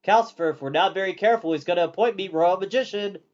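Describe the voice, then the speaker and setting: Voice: mid-range voice, fast talker, darkish tone, lo-fi sound, voice pushed up, natural voice. A storyteller voicing a vain, sardonic young male wizard in a storybook, theatrical and mock-polite. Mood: worried, restless.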